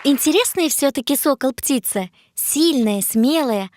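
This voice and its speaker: A woman's voice: sits high, expressive, measured pace, a crowd in the background, noisy background. A woman playing a curious, eager young female companion in an educational cartoon for children, speaking expressively. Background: music.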